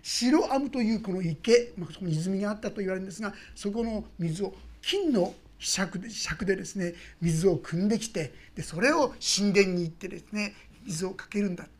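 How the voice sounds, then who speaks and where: A woman pastor preaching a sermon, telling the story with lively swings between loud exclamations and hushed asides. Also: medium pitch, fairly quick, few pauses.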